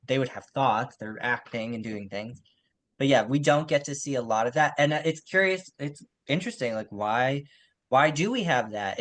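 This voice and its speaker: Opinionated man co-hosting a podcast, medium pitch. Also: a bit bright. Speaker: podcast co-host. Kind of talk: casual literary discussion.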